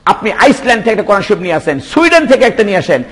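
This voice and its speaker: A male preacher delivers a fervent sermon. His voice sits high and leaps through a lively range as he fires rhetorical questions and exclamations of praise. A long reverb rings around him as if in a hall. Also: rapid-fire. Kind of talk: Bengali waz sermon.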